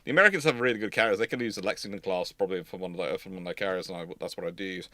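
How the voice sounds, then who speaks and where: A man with a fairly low, bright voice hosts a live question-and-answer stream. His delivery is casual and halting, doubling back on phrases, and the sound is dry and close. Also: no room sound. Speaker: host of a naval history livestream.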